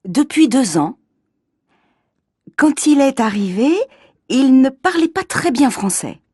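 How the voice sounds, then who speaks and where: A woman from France voices everyday characters in slow, clear learner dialogues. Her voice sits a bit high and is slightly husky, moving expressively up and down, recorded dry and close. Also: big pitch swings, darkish tone, no room sound.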